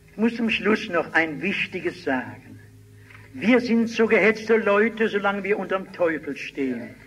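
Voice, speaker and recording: Older preacher guy, husky high voice, slow and lively, acts out the stories. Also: poor audio. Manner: animated storytelling, shouting out quoted cries. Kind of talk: sermon.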